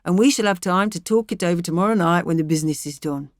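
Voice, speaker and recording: A woman's voice: fairly low pitch, fast, no room sound, studio quality, close to an everyday voice. A woman voicing a stubborn, blustering middle-aged miller with a rural English accent, in emphatic, ruminating dialect, for an audiobook. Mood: pleased, musing.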